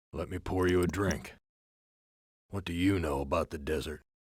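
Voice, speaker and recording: A growling, put-on character voice moves at a moderate pace with ordinary pitch variation in a very clean recording with a silent background. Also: man, very deep, low pitch for a man. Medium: video game.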